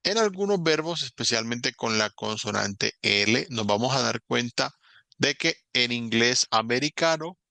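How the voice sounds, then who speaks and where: A man's voice: mid-range voice, animated, measured pace, creaky, pushed and bright, no room sound. A man teaching English grammar in a recorded lesson, explaining patiently, repeating example words and checking in with his students.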